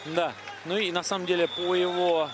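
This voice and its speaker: A man's voice: sits high, flat delivery, moderate pace. Male fight commentator over a noisy crowd. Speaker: sports commentator. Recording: noisy arena crowd behind the voice. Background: arena crowd and noise.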